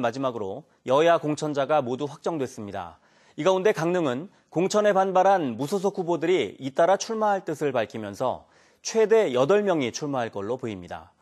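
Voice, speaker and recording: Against a quiet background, a man with a fairly high pitch speaks at a moderate pace with very wide pitch swings. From South Korea. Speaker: news anchor. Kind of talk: news reading. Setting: studio. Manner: formal. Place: studio. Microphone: lapel.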